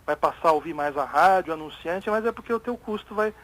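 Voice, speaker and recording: A Brazilian man with a rather high voice co-hosts a radio talk show. He chats casually, hesitating and restarting his sentences, and at times reads news items aloud. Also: expressive, quick pace, fairly bright tone, poor audio. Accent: Brazilian Portuguese.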